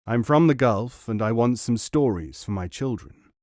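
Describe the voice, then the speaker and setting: A man's voice: mid-range voice, animated, normal speed, darkish tone, no room sound, clean studio sound, close to an everyday voice. A man voicing a proud young male Arab prince who speaks formally and insistently.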